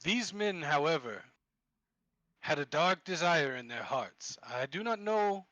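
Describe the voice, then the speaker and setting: A man voicing a kindly old male temple elder in a robe, speaking politely and in measured phrases. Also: a little high, sharp tone, no room sound, exaggerated voice.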